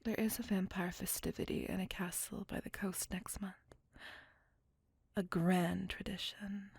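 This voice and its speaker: A woman's voice: medium pitch, darkish tone, no room sound, exaggerated voice. A woman voicing a possessive, remorseful female vampire lover in a whispered ASMR roleplay, talking in an intimate, doting way. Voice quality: whispered, breathy and gravelly. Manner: intimate, apologetic, slow and doting.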